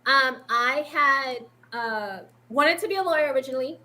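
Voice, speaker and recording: A woman's voice: high voice, normal speed, sharp tone. A woman from Boston, talking casually as an interview guest in a rambling way, with lots of fillers. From Boston, Massachusetts. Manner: chatty, rambling, with many fillers and frequent laughs.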